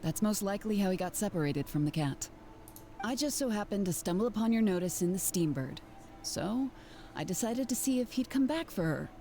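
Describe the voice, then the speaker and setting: A woman's voice: medium pitch, animated, brisk, dark tone, a little hiss or hum, lightly acted. A woman voicing a cool undercover investigator. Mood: matter-of-fact. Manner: cool, composed, matter-of-fact. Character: composed undercover female investigator, cool and confident. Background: game music.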